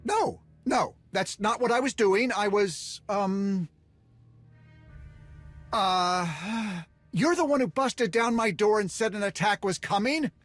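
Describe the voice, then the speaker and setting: An actor playing a shifty, self-serving black-market supplier in a video game, glib and wheedling, stammering when cornered. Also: male voice, high voice, slow pace, faint music behind. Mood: flustered, defensive.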